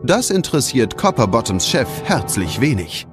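A man's voice: medium pitch, very animated, normal speed. A man narrating a scripted audio story for children. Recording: music behind the narration. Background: music.

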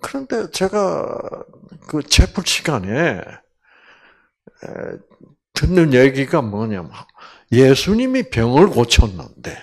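An older man, a doctor, giving a storytelling lecture about healing, acting out quoted voices and dropping to near-whispers. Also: medium pitch. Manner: slow and animated, acts out quoted voices, drops to near-whispers.

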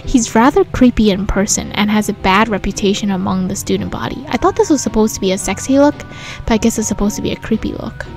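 A woman's voice: medium pitch, quick pace, darkish tone. A woman hosting a let's play, reading a visual novel aloud and adding casual commentary. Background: game music.

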